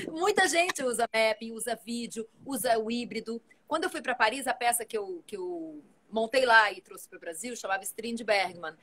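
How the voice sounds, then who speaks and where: Lively chatty actress on a video call. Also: female voice, on the high side, moderate pace, slight background noise. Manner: animated, talkative, gestures while speaking. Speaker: actress, guest. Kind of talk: casual live video chat. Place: home room with plants and shelves.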